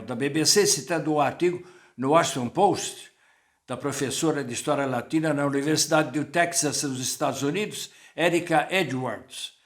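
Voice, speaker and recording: An older man, a journalist, giving a reflective spoken commentary that quotes sources and asks rhetorical questions. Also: fairly high pitch.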